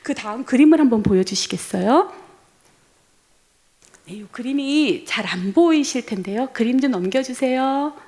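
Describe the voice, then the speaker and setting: Brief: woman pastor, sermon delivery, expressive, high-pitched, storyteller's lilt. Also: normal speed. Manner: animated storytelling with acted quotes, addressing the congregation. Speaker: preacher. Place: church.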